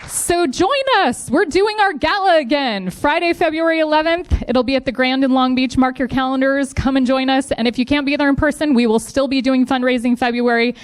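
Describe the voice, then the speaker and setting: Representing a foundation at a live district community event, a woman gives an upbeat, encouraging speech that thanks donors and promotes a fundraiser. Her voice is high, clear, and resonant, moving a little fast with hardly any pauses.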